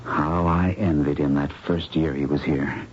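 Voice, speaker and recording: An actor playing a troubled, disillusioned young doctor in a radio drama, speaking with urgent, bitter intensity. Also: male voice, extremely low pitch, fairly even intonation, unhurried. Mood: bitter, wistful. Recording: dull, noisy old radio broadcast.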